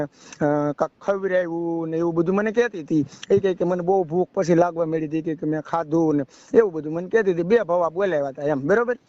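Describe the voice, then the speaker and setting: High-pitched young man on a muffled call. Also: a little mellow, dry recording. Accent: rural Saurashtra Gujarati. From Gujarat, India. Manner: rambling, often adds a checking tag question. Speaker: caller seeking advice. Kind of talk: personal account told over a phone call. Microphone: phone call. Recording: dull lo-fi phone call recording.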